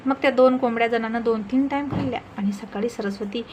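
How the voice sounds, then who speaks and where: A woman tells a serialized moral story with dramatic, emotional delivery. Her voice sits on the higher side, with faint background hiss under it. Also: quick pace, a little mellow, rough recording.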